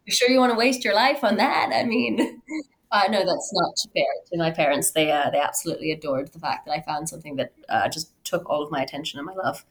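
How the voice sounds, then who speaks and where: Canadian woman in her 30s, slightly low voice, chatting as a podcast guest, animated storyteller. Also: fairly quick, low-quality recording. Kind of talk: conversational interview, personal storytelling.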